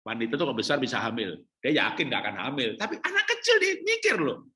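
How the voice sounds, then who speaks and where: Lively, bright-voiced pastor telling funny stories. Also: male voice, medium pitch, fast talker. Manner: lively storytelling, acting out children and parents, laughing often. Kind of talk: sermon on parenting.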